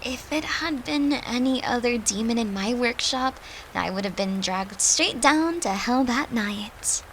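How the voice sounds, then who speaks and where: Woman acting a tender, slow-talking human girlfriend. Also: on the high side, lively intonation, slight background noise, rough recording. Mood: earnest. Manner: soft, earnest, confiding, with sighs and breathy laughs. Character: tender human girlfriend, an occult summoner comforting her demon lover. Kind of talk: intimate audio roleplay addressed to the listener.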